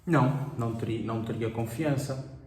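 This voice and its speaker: A man's voice: mid-range voice, normal speed, darkish tone. A man co-hosting a Bible study discussion, explaining at length with examples, restarting words and often agreeing. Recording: echoey room.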